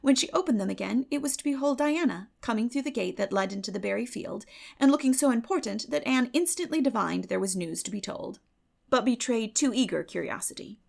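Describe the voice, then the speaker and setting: A woman narrates a storybook in a fairly high voice with plenty of creak. Her reading is measured and expressive, like dramatic audiobook storytelling.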